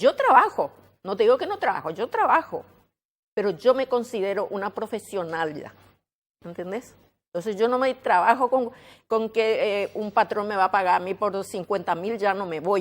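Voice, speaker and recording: At a moderate pace, a woman uses a normal speaking voice with a medium pitch and ordinary pitch variation. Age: 60s. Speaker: domestic worker and activist. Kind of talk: TV talk show discussion.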